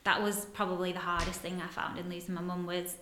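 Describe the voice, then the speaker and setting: Chatty woman, bright voice. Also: lowish voice, little pitch movement, fast, reverberant, a little hiss or hum. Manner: chatty, uses many fillers like "like". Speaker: guest, therapist for women. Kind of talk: casual podcast conversation.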